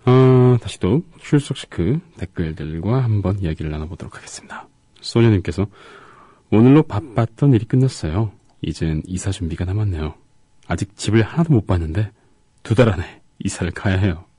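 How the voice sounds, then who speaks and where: Low husky halting male radio host. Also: lively intonation, mellow, no echo. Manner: halting, with gaps between words and syllables. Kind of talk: casual radio talk reading listener comments.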